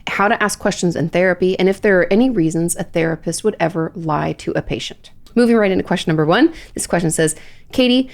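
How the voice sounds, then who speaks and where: A woman's voice: fairly low pitch, gravelly, a little mellow. A woman with a stuffy, nasal head cold, hosting a solo podcast as a therapist answering listener questions in a chatty way with fillers and restarts. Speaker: podcast host, licensed therapist.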